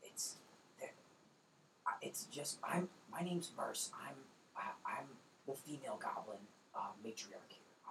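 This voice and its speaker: A man's put-on character voice, raspy and fairly high, at a moderate pace with long, frequent pauses over clear background noise. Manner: nervous, hesitant.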